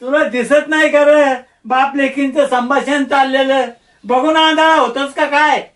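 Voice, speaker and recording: A man's voice: very high-pitched, steady tone, unhurried, fairly bright tone. A man playing a grumpy, suspicious old village father who nags and scolds his daughter in a comedy drama. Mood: scolding. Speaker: father Tatya. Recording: distant mic, voice from far off.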